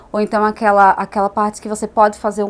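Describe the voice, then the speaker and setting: Her voice is fairly high-pitched, a woman speaking in an Alagoas accent. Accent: Alagoas accent, noticeable. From Alagoas, Brazil. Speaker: architect. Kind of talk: talk show interview.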